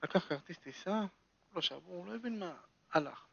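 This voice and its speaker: High-voiced man teaching a religious lesson. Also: lively intonation, gravelly, husky, no room sound, highs cut off. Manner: emphatic storytelling with repetition. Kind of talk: Torah lesson to a small group.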